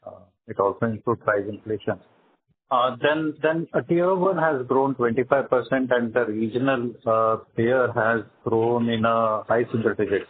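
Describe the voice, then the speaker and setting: Husky analyst on a phone line. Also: male voice, mid-range voice, moderate pace. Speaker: investor analyst asking questions. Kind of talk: earnings call questioning. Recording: thin, phone-like conference line.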